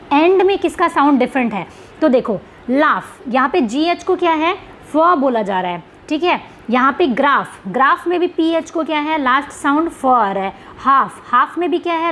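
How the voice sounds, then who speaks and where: A woman's voice: high-pitched, slight background noise. A woman teacher explaining English sounds in an exam-prep lesson, checking in with her students and asking rhetorical questions as she goes. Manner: reads English questions slowly.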